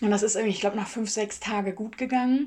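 A woman with a medium-pitched, unremarkable speaking voice and fairly even intonation, recorded very cleanly against a silent background. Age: 30s. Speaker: YouTuber and rabbit keeper. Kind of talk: interview.

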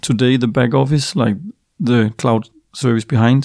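A man with a Danish accent speaks at a moderate pace, his medium pitch showing ordinary variation. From southern Denmark. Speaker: company CEO. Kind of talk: casual interview. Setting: office.

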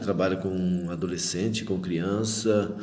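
Against noticeable background noise and audible room echo, a man talks at a fairly low pitch. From southern Brazil, Italian-descended farming family. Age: 50s. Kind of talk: interview about his life. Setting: recorded at a priests' retreat.

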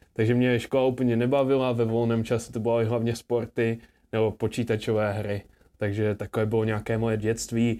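A man's fairly low voice, dark and mellow in tone, at a moderate pace with monotone, flat intonation. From Zlín, Moravia. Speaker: entrepreneur. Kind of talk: casual interview.

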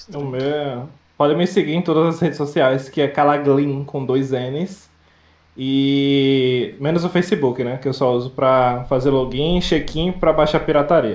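A man's unremarkable speaking voice, fairly high in pitch, with fairly even intonation at a fairly slow pace. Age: 20s. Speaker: Twitch streamer. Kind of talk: casual chat.

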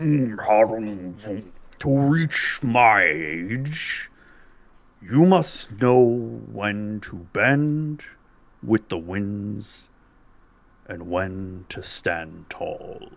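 Using a put-on character voice at a fairly low pitch, a man talks at a very slow pace, broken by long, frequent pauses. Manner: wise, weighty, unhurried.

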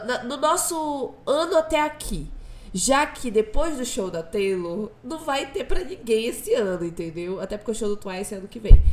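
The voice moves at a moderate pace with very wide pitch swings and big swings in loudness, over noticeable background noise. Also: woman. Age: 20s. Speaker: podcast host. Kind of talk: casual chat.

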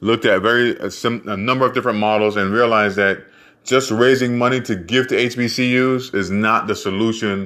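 In a bright, sharp tone, a man speaks at a medium pitch with fairly even intonation. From Jamaica. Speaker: podcast host and political business consultant. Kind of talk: solo commentary podcast.

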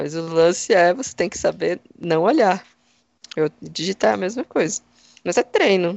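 Her voice sits fairly low with vocal fry as the woman speaks with lively intonation. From Brasília. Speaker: tabletop RPG group host. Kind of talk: casual chat. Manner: fast, nonstop talker.

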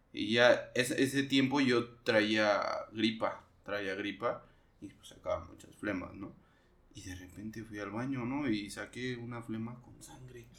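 The speaker talks with a Mexican accent at a fairly slow pace. Intonation stays fairly even, with big swings in loudness. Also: man, medium pitch for a man. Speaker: TikTok creator. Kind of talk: casual chat.

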